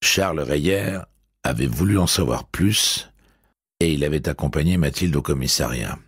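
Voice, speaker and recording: A man reading a novel aloud as an audiobook narrator, in a measured, steady delivery. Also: a bass voice, slightly rough, no room sound, clean studio sound.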